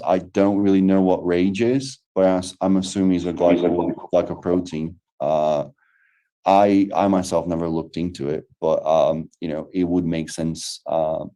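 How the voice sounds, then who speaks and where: This is a Brazilian man with a deep, dark voice that barely rises or falls. He answers questions hesitantly, with many fillers and self-restarts. He is speaking over a video call. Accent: Brazilian Portuguese. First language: Portuguese. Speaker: lecturer. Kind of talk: online lecture Q&A.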